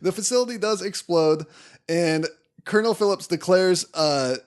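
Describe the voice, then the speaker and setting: A man's voice: sits high, normal speed, clear, resonant tone. A man co-hosting a podcast, recapping and commenting on a film in a casual, enthusiastic way. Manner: enthusiastic, often chuckling. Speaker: podcast co-host.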